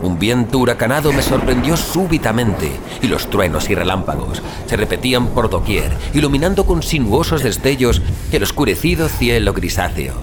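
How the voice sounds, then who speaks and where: A man's voice: medium pitch, very animated, moderate pace, natural voice. A man playing a weary, frightened explorer who recounts his ordeal in solemn, literary, suspenseful first-person audio fiction. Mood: ominous. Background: music bed.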